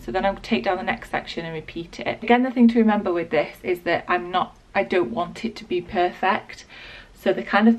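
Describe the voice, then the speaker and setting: Croaky Northern English woman, gravelly. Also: on the low side, far from the mic. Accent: Northern English, Lancashire. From England. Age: late 20s. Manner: relaxed, rambling, lots of ums and likes. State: sore throat, croaky. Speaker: beauty vlogger. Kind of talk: casual hair tutorial. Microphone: small external mic.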